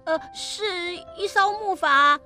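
A worried young boy , put on by a woman storyteller, speaks in a high, hesitant voice. He stammers and frets under guilt, in a children's storybook reading with soft music behind. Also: slow pace, heavily acted. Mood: nervous. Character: anxious young boy on a raft, torn by guilt.

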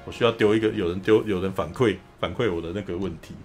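A man hosting a podcast, recapping a film in a lively, casual storytelling way. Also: sits low, fast talker, music in the background. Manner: animated storyteller, often acts out quotes. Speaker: podcast host.

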